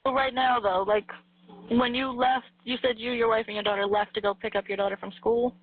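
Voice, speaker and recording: Female police dispatcher, fast-talking, businesslike questioning, narrow telephone sound. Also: on the high side, steady tone, slightly rough, no room sound. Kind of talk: emergency call questioning. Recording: tinny phone line recording.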